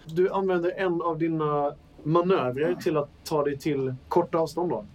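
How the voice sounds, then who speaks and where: Guy running a tabletop game, lively, kinda high voice. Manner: lively, acts out panicked shouts. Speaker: game master.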